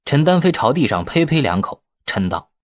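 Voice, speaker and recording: A man's voice: mid-range voice, sing-song, normal speed, dry recording, studio quality. A man narrating a novel as a dramatic scripted audiobook.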